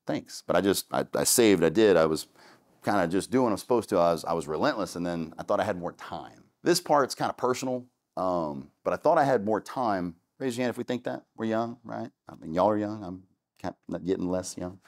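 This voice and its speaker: A man's voice: deep voice, expressive, a little fast. A man, casually and candidly talking a student audience through his start in real estate, with many restarts. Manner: candid and conversational, with many restarts and "long story short". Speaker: real estate investor giving a talk.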